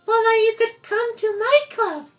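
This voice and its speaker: A very high, squeaky schoolgirl, bubbly and airheaded. She is loud and excitable, like a game character, with faint music behind. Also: unhurried. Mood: cheerful teasing.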